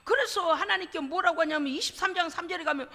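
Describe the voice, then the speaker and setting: A woman's voice: very high voice, fast, gravelly, sharp tone. A woman pastor preaching a sermon, acting out the quoted voices and laughing often. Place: church sanctuary. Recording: long church reverb.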